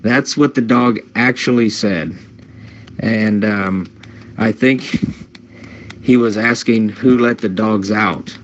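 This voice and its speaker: A man from Chicago brags deadpan on a comedy show, stumbling over restarts. The recording is muffled and lo-fi, with a faint hiss behind his voice. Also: fairly low pitch, slow, long pauses. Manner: deadpan boasting, stammering restarts. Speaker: co-host. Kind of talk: comedic banter.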